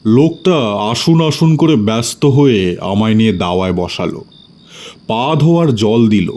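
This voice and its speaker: A man's voice: lowish voice, expressive, unhurried, darkish tone. A man narrating a scripted story in a dramatic storytelling style.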